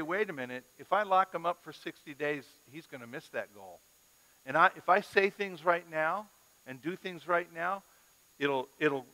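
A middle-aged male pastor giving a parenting lecture to a live audience, an animated storyteller who acts out scenes. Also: fairly high pitch. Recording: long reverb of a large hall.

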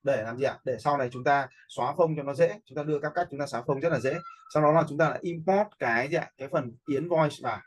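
Slightly husky man teaching casually. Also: fairly high pitch, quick pace, few pauses. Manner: frequent check-in questions to learners. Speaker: instructor in animation software tutorial. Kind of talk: casual screen-share teaching, addressing learners.

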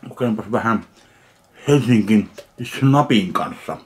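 A middle-aged man from Finland giving casual food tasting commentary to camera in a home kitchen, talking in an unhurried way with pauses as he eats. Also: fairly low pitch, animated. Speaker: food review vlogger. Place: small home kitchen, indoors. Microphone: camera a short distance away. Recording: clear background noise, handling clicks.

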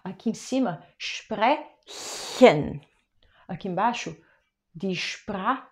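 A woman's voice: medium pitch, animated, darkish tone. Brazilian woman teaching a German lesson. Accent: Brazilian Portuguese. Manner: patient, explains step by step, slows down for example words. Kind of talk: online language lesson.

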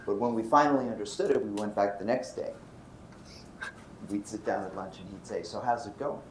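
An older man from Brooklyn giving a university physics lecture, animated and often checking in with his students. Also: lowish voice, fairly quick. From Brooklyn, New York. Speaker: physics professor. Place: lecture hall. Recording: roomy lecture hall, faint noise.

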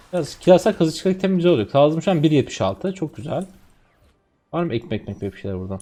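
An excitable young man from Turkey streaming a game and talking straight to his viewers. His voice sits fairly high and leaps around in pitch as he reacts to each play. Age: 20s. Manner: excitable, chatty, talks to viewers while playing. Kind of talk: live gameplay commentary.

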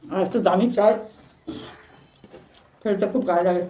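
A woman's voice: mid-range voice, steady tone, normal speed, slight background noise. A woman chatting informally to her viewers as she eats, like a casual food vlog. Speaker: vlogger. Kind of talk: casual chat to viewers while eating. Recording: echoey room, dull lo-fi sound.

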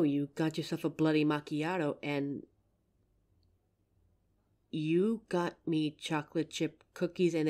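A woman voicing a soft, tender werewolf girlfriend. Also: on the low side. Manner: tender, slow, grounding exercise. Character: gentle young female werewolf girlfriend. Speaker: voice actor. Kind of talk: F4A audio roleplay.

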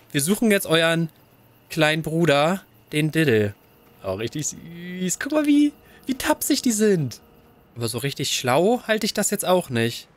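A young man commentating a game in German, excitable and cooing over little fox cubs, often squealing in alarm. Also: a little high, no room sound. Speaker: let's play gamer.

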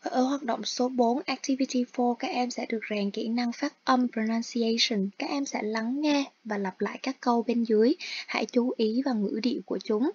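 Husky-voiced woman teaching an online lesson. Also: fairly high pitch, steady tone, moderate pace, darkish tone, no room sound, lo-fi sound. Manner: explains patiently, addressing students directly. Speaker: English teacher.

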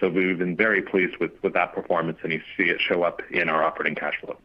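A man answering as a company executive on an earnings call, measured and business-like. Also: sits low, level tone, husky. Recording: dull lo-fi conference call audio.

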